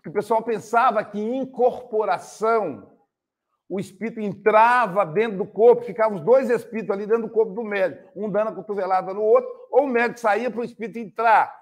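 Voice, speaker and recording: A man's voice: sits high, brisk. An older man with a Brazilian Portuguese accent giving a spiritist talk, telling stories and acting out the people in them. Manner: storytelling with acted quotes. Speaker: spiritist speaker.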